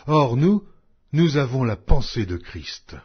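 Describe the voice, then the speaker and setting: A man reads scripture as an audiobook narrator, in a solemn, measured, declamatory way with deliberate pauses. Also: medium pitch, sing-song, breathy edge, muffled recording. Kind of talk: solemn scripted Bible reading.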